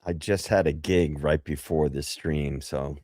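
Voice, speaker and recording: A man hosting a casual livestream, hoarse after a gig, talking loosely and swearing as he jokes with chat. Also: a bass voice, fairly even intonation, a little slow, darkish tone, no room sound, clean studio sound. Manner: loose and profane, jokey. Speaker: livestream host.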